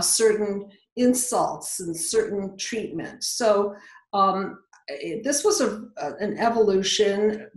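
A woman in her sixties, born in Hungary, a psychologist explaining her work earnestly on a video call, often restarting her sentences. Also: medium pitch. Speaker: psychologist guest. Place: indoor home office. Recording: roomy video call audio.

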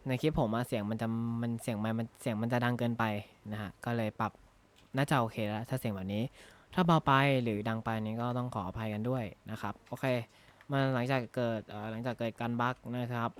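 A man talking casually while he plays a video game, joking and thinking aloud with frequent tag words, recorded on a close desk microphone at a gaming desk. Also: medium pitch. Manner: rambling, jokey, thinks aloud with frequent "na ha" tags. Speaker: gaming YouTuber. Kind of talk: casual Minecraft let's-play commentary. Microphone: close desk mic.

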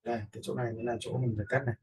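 A man with a gravelly, husky voice, casually commenting as he teaches video editing. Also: mid-range voice, little pitch movement, very fast, background noise. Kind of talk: casual screen-recorded tutorial commentary.

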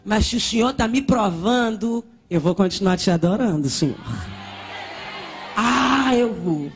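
Fervent woman preacher, shouting. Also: medium pitch, expressive, measured pace, faint music behind. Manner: fervent, shouting, speaking in tongues. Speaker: missionary preacher. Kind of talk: pentecostal sermon testimony.

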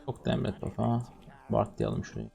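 Lively young male gamer streamer. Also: on the low side, normal speed, creaky, faint music behind. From Turkey. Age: 20s. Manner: swings from muttering to shouting and laughing. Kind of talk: excited gameplay commentary.

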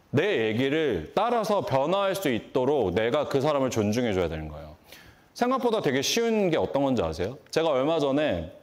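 A man giving a motivational lecture on stage, throwing rhetorical questions at the audience and answering them himself. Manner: lively, swooping delivery with sudden pitch jumps. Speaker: hairdressing instructor and brand owner. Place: large conference stage before an audience.

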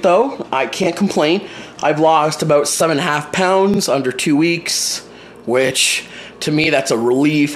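A young male vlogger with a higher-pitched voice chats casually and rambles with lots of fillers to a wide-angle camera held close. He's indoors in a small home kitchen and living room, and a little hiss or hum sits under the audio.

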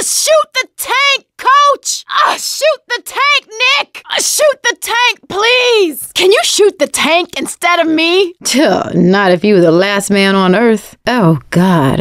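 A woman playing a sassy, expressive young survivor of a zombie outbreak in a video game, in short wry barks. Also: high-pitched, no room sound, clean studio sound, exaggerated voice. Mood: annoyed, pleading, then wry, exasperated.

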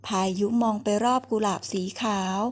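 Woman narrating a romance audiobook. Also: normal speed. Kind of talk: scripted novel narration.

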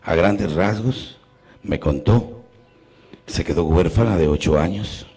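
A middle-aged man with a Mexican accent, a Catholic priest preaching a sermon. He swings from loud emphasis to quiet, intimate questions and acts out the people in his stories. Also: low-pitched, takes it slowly, breathy edge. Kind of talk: sermon with storytelling.

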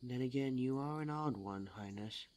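A performer voicing a suave, teasing demon lover in an intimate ASMR roleplay audio drama, smooth-talking and formal in address. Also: mid-range voice, normal speed, very noisy, natural voice. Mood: playful, seductive.

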